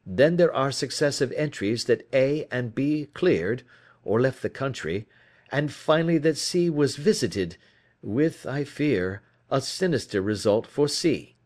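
A man reading aloud, voicing Sherlock Holmes as a keen, brisk detective in a crisp, emphatic, declamatory way. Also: mid-range voice, lively intonation, a little mellow, pitched above the performer's own voice, close to an everyday voice. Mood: explaining. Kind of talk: audiobook character reading.

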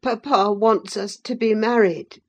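A woman's voice: mid-range voice, fairly even intonation, unhurried, voice pushed up. A woman voicing a sickly, selfish boy with a whiny, petulant manner. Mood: whining.

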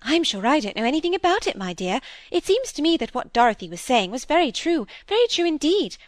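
A woman's voice: high-pitched, very animated, fast talker, no room sound, pitched above the performer's own voice. A woman voicing a timid elderly spinster who talks in a fluttery, placating way.

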